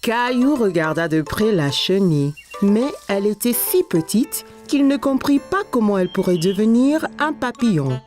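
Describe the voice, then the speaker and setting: Animated woman narrating a children's story. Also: medium pitch, moderate pace, few pauses, soft background music. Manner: expressive storytelling to small children.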